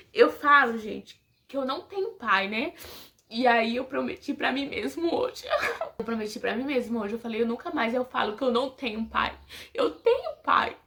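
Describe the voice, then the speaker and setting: A woman's voice: high-pitched, sharp tone. A young woman, telling her personal story to viewers in an emotional, religious, casual way, laughing often. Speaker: vlogger giving a personal testimony.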